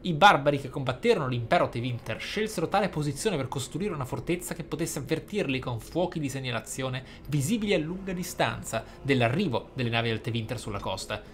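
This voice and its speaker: A man with a mid-pitched voice reads journal text from a video game aloud. His delivery is measured and a touch theatrical, like a gaming YouTuber in a roleplay playthrough. Light game ambience noise sits behind him. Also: lively intonation.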